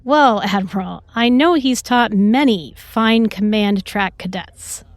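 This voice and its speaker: A woman's voice: mid-range voice, takes it slowly, no echo. A woman acting a self-assured, protective starship doctor in a sci-fi audio drama, composed and pointed in her delivery. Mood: politely probing.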